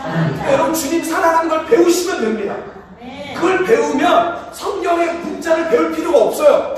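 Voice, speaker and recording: High-voiced pastor in an echoey church. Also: male voice, animated, fairly quick. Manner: asks the congregation questions and has them repeat after him, often chuckling. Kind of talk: sermon. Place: church sanctuary. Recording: echoey church hall from far off.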